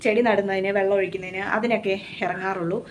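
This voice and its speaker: A woman's voice: medium pitch, steady tone, fast talker, slight background noise. A young woman from Kerala, talking to camera in a casual vlog, musing and confiding as she walks around her home garden. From Kerala, India. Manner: soft-spoken, musing and confiding. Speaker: vlogger.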